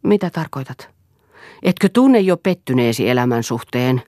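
A bitter middle-aged husband who sneers and provokes, read by a woman in an audiobook. The voice sits low and is recorded close and dry, with no room sound. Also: big pitch swings, mellow, dry recording. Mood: scornful.

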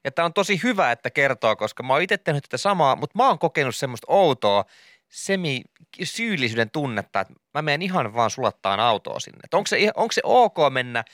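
A man's voice: mid-range voice, big pitch swings, fairly bright tone, no echo, clean studio sound. A man co-hosting a comedic radio show, chatty and self-mocking. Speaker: radio host. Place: radio studio. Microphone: studio mic.

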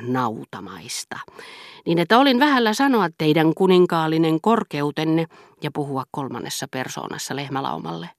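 A woman voicing a witty, sharp-tongued aristocratic duchess who mocks with theatrical exclamations in an audiobook. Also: low-pitched, no room sound, clean studio sound. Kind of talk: audiobook character reading.

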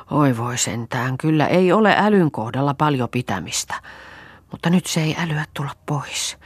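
A woman's voice: extremely low pitch, no room sound. A woman voicing a fretful, grumbling young countrywoman who wails and mutters complaints, in a storybook reading.

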